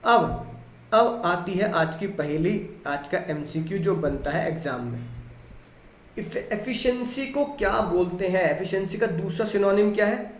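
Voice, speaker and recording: An energetic male teacher runs an exam-prep lesson, repeating key words and playing his students' replies himself. His voice sits high for a man. The recording is roomy and echoey, with a faint hum behind it. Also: unhurried.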